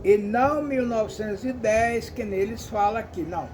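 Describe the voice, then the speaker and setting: A man's voice: high voice, normal speed, darkish tone, slight background noise, low-quality recording. A Brazilian man giving an emphatic, repetitive commentary monologue, often calling out to his listeners.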